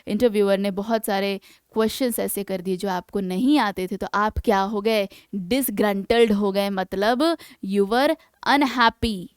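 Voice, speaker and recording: A woman teaching English vocabulary for exam preparation, explaining in Hindi and reading English example sentences slowly and deliberately, often checking in with her students. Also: medium pitch, clean tone, dry recording. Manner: keeps checking in with "है ना". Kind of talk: exam-prep vocabulary lesson.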